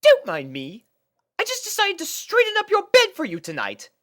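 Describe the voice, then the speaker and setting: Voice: extremely high pitch, wildly swooping pitch, normal speed, a bit bright, pitched above the performer's own voice, heavily acted. A narrator voicing a prim, affectionate elder-sister mare in an airy, sing-song, doting manner.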